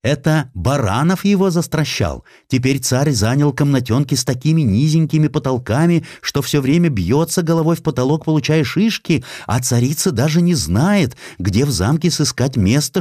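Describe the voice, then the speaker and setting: A man's voice: on the high side, big pitch swings, moderate pace, darkish tone, no room sound, studio quality, voice pushed up. A man voicing a gossiping, grumbling society townsperson, chattering plaintively in an audiobook. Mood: gossipy dismay. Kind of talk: dramatized audiobook.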